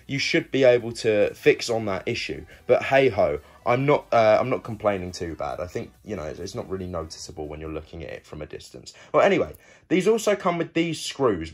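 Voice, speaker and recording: Young man, casual video reviewer. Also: on the low side. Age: young adult. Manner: conversational, addresses viewers as guys. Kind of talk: casual product review to camera.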